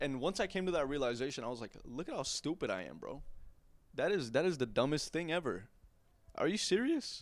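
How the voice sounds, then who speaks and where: A man with vocal fry speaks at a fairly quick pace. His fairly high pitch swings very widely. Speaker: self-improvement YouTuber. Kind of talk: casual monologue to camera. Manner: stuttering, halting.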